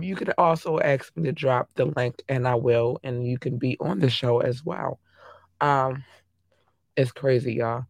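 Hoarse man with a creaky, failing voice. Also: medium pitch, no room sound. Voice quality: strained, croaky hoarse voice. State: hoarse, voice giving out. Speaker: podcast host. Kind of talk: casual solo talk to listeners.

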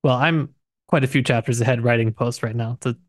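A man's voice: medium pitch, steady tone, fairly quick, no room sound, studio quality. A man co-hosting a podcast, casually discussing a book in a joking, loosely worded way. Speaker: podcast co-host.

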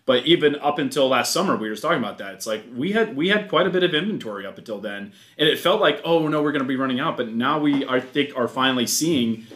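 Male podcast co-host, chatty, filler-heavy, mid-pitched and easygoing in speech. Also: expressive, a bit bright. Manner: chatty, filler-heavy, quick agreeing interjections. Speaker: podcast co-host at a car dealership. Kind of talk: casual podcast chat.

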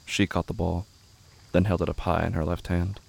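A man reading scripted, literary narration for a horror audio drama in a measured, brooding way. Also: low-pitched, level tone, vocal fry, darkish tone.

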